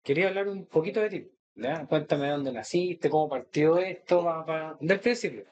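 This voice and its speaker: A man's voice: a little high, moderate pace, muffled recording. A man with a Chilean accent chatting casually as he interviews a guest on a podcast. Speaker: podcast host.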